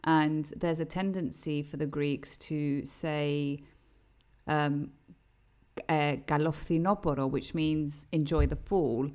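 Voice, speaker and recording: A woman's voice: low voice, steady tone, slow, darkish tone. A woman co-hosting a travel podcast in casual chat, talking freely with restarts and repeated words. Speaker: podcast co-host.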